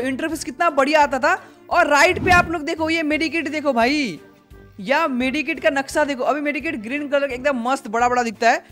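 A young man with a high voice reacts to game footage in a chatty, excitable way, often calling out to his viewers. A little background music plays faintly behind him. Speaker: gaming YouTuber. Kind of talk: casual game reaction commentary.

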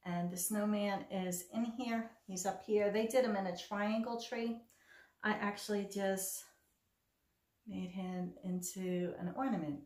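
A woman's voice: medium pitch, steady tone, measured pace, darkish tone. Middle-aged woman hosting a casual crafting vlog; upbeat show-and-tell, recorded in a roomy, echoey space. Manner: chatty, self-deprecating, enthusiastic. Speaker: cross stitch vlogger. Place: home craft room.

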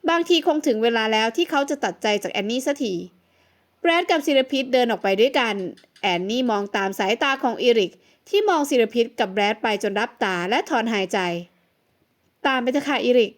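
A woman narrating an audio novel in an even, measured storytelling manner. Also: a little high. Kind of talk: scripted narration.

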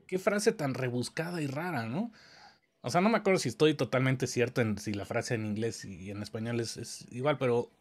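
A man talks through the details of dubbing sessions in a casual conversation. He explains patiently and keeps checking that his listener follows, his voice sitting at an ordinary middle pitch. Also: normal speed. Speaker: audio engineering teacher.

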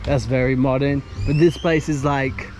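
A man's voice: medium pitch, fairly even intonation, normal speed. A man walking and chatting as a travel vlogger outdoors, laughing often and dropping in a few Spanish greetings. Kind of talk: casual walking commentary. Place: outdoors on a sunny residential street. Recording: street noise behind.

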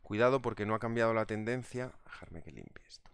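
Chatty man, smooth low voice. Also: expressive, fairly quick, dry recording. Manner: chatty, reads out viewer comments. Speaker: trading instructor. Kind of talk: live market analysis webinar.

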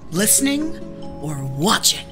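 A woman playing an earnest seer in a fantasy role-play game, thoughtful and deliberate. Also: mid-range voice, very animated, over music. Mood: earnest, intent. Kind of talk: in-character tabletop role-play.

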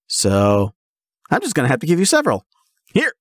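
A man's voice: a little high, fairly quick, no room sound, studio quality. A man voicing an exuberant, affectionate young jock boyfriend in a playful, dramatic roleplay audio addressed to the listener. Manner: excitable, playful, theatrically dramatic.

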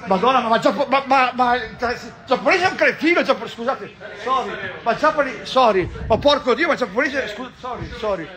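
A man, vlogging outdoors on a city street, agitated and swearing constantly, repeating himself with bursts of shouting. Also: very high voice, animated, moderate pace, hardly any pauses, a crowd in the background. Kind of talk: ranting street vlog.

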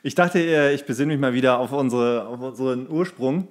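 A man's voice: mid-range voice, brisk. Playful young man in casual chat. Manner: playful, jokey. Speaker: podcast co-host.

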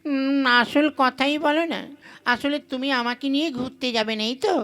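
A woman playing a pouting, sly young wife in a puppet-show comedy, coaxing and quick to scold. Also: sits high. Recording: loud music under the dialogue.

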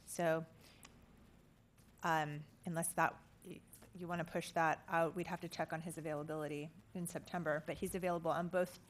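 A woman's voice: low voice, flat delivery, normal speed, slight background noise. A woman explaining matters as a city staff official in a council chamber. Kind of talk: explanatory meeting remarks.

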